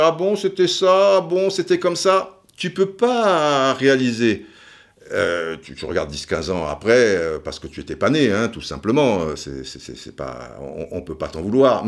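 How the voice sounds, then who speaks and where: A man in his forties from France, hosting a podcast and telling a long personal story in a chatty, digressive way with many fillers and restarts. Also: mid-range voice. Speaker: podcast host. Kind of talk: casual storytelling monologue.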